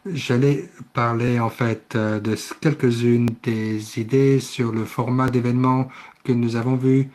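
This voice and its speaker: A man interpreting a conference session live, speaking haltingly and often correcting himself. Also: mid-range voice, steady tone, darkish tone. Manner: halting delivery with self-corrections. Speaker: simultaneous interpreter.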